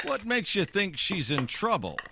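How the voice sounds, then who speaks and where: An actor playing a hard-boiled, wry private detective with terse, sardonic wisecracks, in old-time radio noir style. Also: male voice, high-pitched, very animated, normal speed, gravelly, background noise, heavily acted. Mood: guarded, wry.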